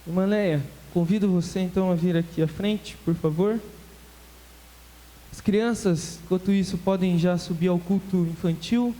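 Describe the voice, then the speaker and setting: Man, Brazilian accent, high mellow voice, informal church announcements, long hall reverb. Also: steady tone, moderate pace. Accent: Brazilian Portuguese. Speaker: church leader introducing guest. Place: church sanctuary.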